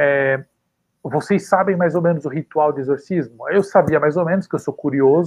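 Speaking with a São Paulo accent, a man keeps a fairly high pitch. His pace is fairly quick. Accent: Paulistano Brazilian Portuguese. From Brazil, São Paulo city. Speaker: paranormal storyteller and author. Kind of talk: casual interview chat. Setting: live video stream.

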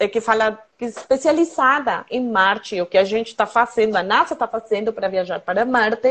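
A woman speaks with a Colombian accent at a moderate pace. Her intonation is lively. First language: Spanish (speaking Portuguese). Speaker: tourism representative. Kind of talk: casual chat.

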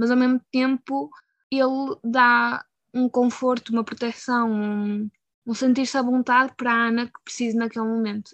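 A woman speaks at a moderate pace with a fairly high pitch and fairly even intonation. The sound is dry and close, with no echo and a quiet background. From Venezuela. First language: Spanish (speaking Portuguese). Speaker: university student. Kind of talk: interview about a book. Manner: hesitant, with repetitions.

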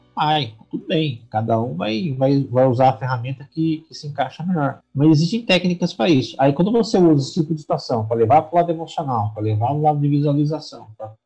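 Barely pausing, a man with a fairly high pitch and a dark, mellow, somewhat breathy tone talks at a very fast pace with lively intonation. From Sorocaba, São Paulo state, Brazil. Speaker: HR professional and career coach. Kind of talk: casual interview.

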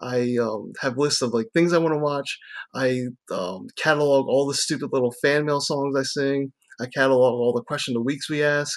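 A man with a normal speaking voice talks at a fairly high pitch, his intonation fairly even. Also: moderate pace. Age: 30s. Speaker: podcaster. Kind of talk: casual chat.

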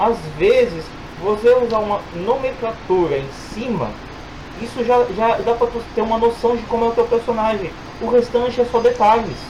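Long, frequent pauses break up speech at a moderate pace, with ordinary pitch variation over noticeable background noise. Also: man, extremely high pitch for a man. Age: 30s. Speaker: security guard and RPG content creator. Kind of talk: casual chat.

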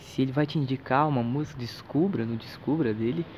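Noticeable background noise behind a man's speech, its pitch varying in an ordinary way. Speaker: solo podcaster. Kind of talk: casual monologue. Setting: at home while cooking. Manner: halting, stammers when improvising.

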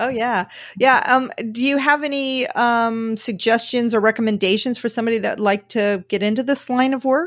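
A woman speaks at a moderate pace with fairly high pitch and ordinary pitch variation, in an ordinary speaking voice. The recording is very clean with a silent background. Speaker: podcast host and filmmaker. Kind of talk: interview.

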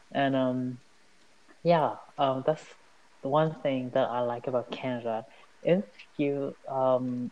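A man speaks at a medium pitch, his intonation fairly even. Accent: Vietnamese. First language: Vietnamese. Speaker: university student. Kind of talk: casual chat. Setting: studio.

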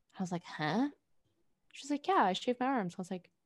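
Lively intonation runs through a normal speaking voice in a very clean recording with a silent background. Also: woman. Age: 20s. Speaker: podcast host, teacher student. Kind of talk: casual chat.

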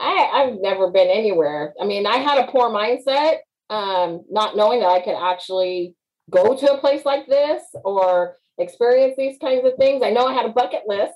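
Lively intonation and a moderate pace mark a plain, everyday voice. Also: woman, fairly high pitch for a woman. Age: 50s. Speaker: realtor. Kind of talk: casual chat.

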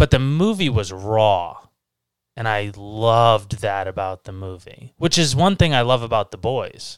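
A man with a plain, everyday voice and medium pitch speaks at a fairly slow pace with big swings in loudness, on a very clean recording with a silent background. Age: 30s. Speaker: podcast co-host, army soldier. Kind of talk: casual chat.

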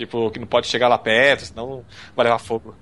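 A man talks at a very fast pace. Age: 30s. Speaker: YouTuber co-host. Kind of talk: casual chat; reading aloud.

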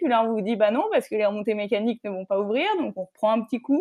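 Her tone is dark and mellow, with lively intonation and a fairly high pitch. The woman is heard over a quiet background. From Savoie, France. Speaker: freelance event organizer. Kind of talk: podcast interview.

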